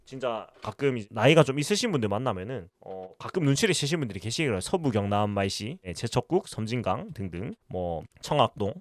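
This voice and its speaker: Fast-talking Busan man, lively voice. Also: fairly low pitch, no echo. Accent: Busan Gyeongsang dialect with western Gyeongsang touches. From Busan, South Korea. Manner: talkative, reads out and answers chat questions, many fillers. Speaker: livestream host. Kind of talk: casual livestream chat answering viewer comments.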